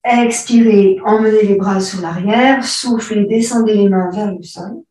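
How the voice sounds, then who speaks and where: A woman yoga teacher guiding a class through postures, calmly cueing breath and movement step by step. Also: mid-range voice, measured pace, distant mic. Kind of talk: guided yoga class instruction. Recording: echoey room, voice from afar.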